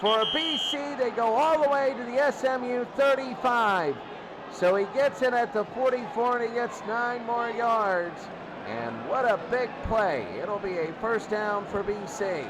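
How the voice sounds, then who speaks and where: A man doing excited football play-by-play in short clipped phrases, repeating downs and yardage. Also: extremely high pitch, a little slow. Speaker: play-by-play announcer. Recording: noisy game broadcast, loud crowd. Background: loud crowd and heavy background noise.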